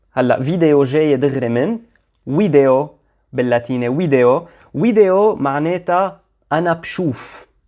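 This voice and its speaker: At a fairly slow pace, a man with a fairly high pitch and a dark, mellow tone speaks with lively intonation. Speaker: polyglot language educator. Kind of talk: educational explainer.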